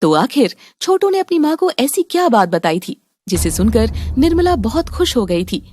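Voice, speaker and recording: A woman narrating an animated family story in a calm, scripted storytelling manner. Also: sits high, slight background noise.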